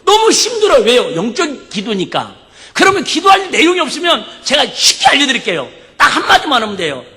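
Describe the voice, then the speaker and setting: A male pastor preaching a sermon and joking in call-and-response with his congregation, sometimes breaking into shouts. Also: very high voice, wildly swooping pitch, a little fast. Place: church sanctuary. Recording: echoey church hall.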